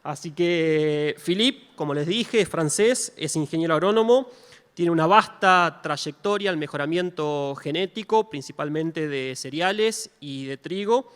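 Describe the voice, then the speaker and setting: A man's voice: on the high side, unhurried, fairly bright tone, clear, resonant tone. A man moderating a conference session, introducing a speaker courteously and formally, with frequent restarts. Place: conference hall. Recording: long reverb of a large hall.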